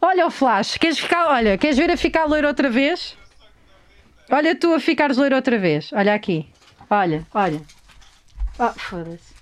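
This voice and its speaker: High-voiced, teasing woman with a European Portuguese accent. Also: expressive, moderate pace, long pauses. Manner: loud, teasing, swears often. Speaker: podcast co-host. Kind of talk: casual banter.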